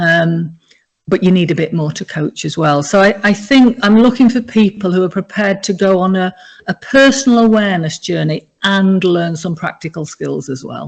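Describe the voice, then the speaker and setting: A somewhat breathy woman's voice at a medium pitch and moderate pace with ordinary pitch variation. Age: 60s. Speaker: business coach and leadership speaker. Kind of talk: interview.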